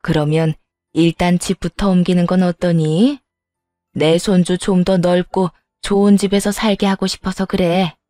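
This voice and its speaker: A stern older mother-in-law, played by a woman, lectures in firm, old-fashioned speech. Her voice sits low and mellow. The sound is dry and close. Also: flat delivery, normal speed, no room sound, soft background music, natural voice. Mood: coaxing.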